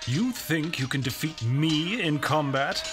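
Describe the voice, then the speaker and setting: An actor in an audio drama playing an arrogant, treacherous guard captain who speaks with taunting contempt. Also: male voice, a little high, lively intonation, a little slow. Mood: mocking. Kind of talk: audio drama villain acting. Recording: loud dramatic music behind the voice.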